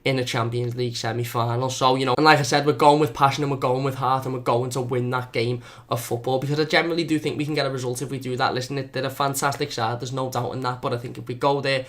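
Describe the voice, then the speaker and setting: A man's voice: mid-range voice, flat delivery, fast, hardly any pauses, a bit bright. A young man with a Scouse accent hosting a football fan channel, earnestly previewing a match and repeating words for emphasis. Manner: repetitive, earnest, doubles his words.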